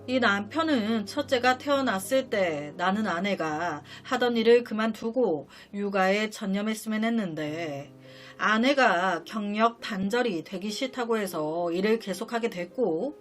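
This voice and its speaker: A woman's voice: mid-range voice, a bit bright. A woman narrating a dramatic true-life story, talking straight to her viewers and sounding indignant at what she recounts.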